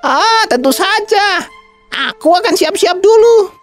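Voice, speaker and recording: A woman voicing a slow, earnest old fisherman. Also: very high voice, animated, faint music behind. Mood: worried. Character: elderly male fisherman, hardworking and stubborn.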